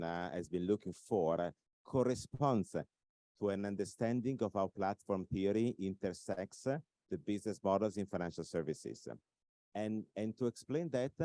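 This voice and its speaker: Deep-voiced Italian-accented man explaining. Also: mellow, no echo. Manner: explanatory, many filler uhs, emphatic points. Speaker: author and expert speaker. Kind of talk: recorded interview talk.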